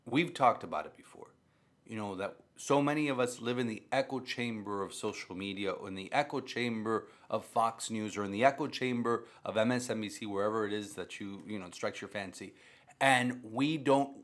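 A man's voice: on the low side, a little fast, fairly bright tone. A man who is a Catholic priest and grew up speaking Spanish, talking conversationally about faith and repeating phrases for emphasis. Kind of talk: conversational religious talk.

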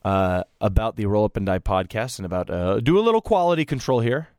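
A man hosting a podcast in casual chat, relaxed and hesitant with fillers. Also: on the low side, fast, no echo, clean studio sound. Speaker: podcast host and discussion facilitator.

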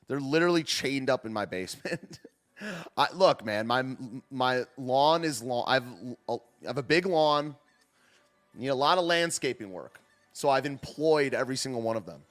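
A man hosts a casual livestream, joking and rambling through his commentary. His pitch swings widely as he talks, and his voice sits at a middling height. Faint music plays underneath him. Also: fairly bright tone. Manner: joking, rambling, trails off and restarts. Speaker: livestream host. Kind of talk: casual commentary, reading chat.

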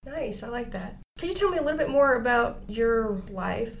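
A woman hosting a history podcast, reading a clear, polite scripted intro and asking interview questions. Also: on the high side, animated, moderate pace, slight background noise. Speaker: podcast host.

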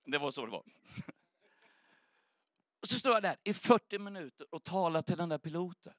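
A man's voice: on the high side, animated, fairly bright tone, dry recording, clean studio sound. A man preaching a sermon, telling an earnest, emotional story as testimony.

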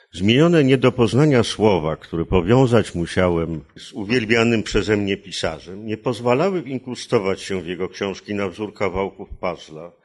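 A man, a literary translator, reading his own translation aloud in a measured, careful way and commenting on it. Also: fairly low pitch.

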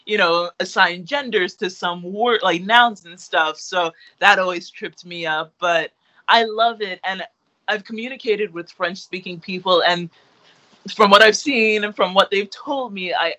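A man's voice: high voice, pushed and bright, lo-fi sound. A young man chatting in an interview, rambling with many fillers and restarts. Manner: rambling, lots of fillers and restarts, laughs easily. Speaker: interviewee, artist. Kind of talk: casual interview chat.

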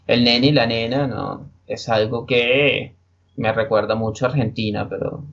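Man, 20s, Venezuelan accent, podcast guest, explanatory, mid pitch, muffled lo-fi sound. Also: fairly even intonation, measured pace, vocal fry, a bit bright. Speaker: guest, Spanish teacher. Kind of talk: podcast interview.

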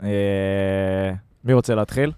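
A man's voice: lowish voice, fairly even intonation, dark tone, smooth, no room sound. A man hosting a casual football fan podcast, talking conversationally and weighing things up as he goes. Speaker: podcast host.

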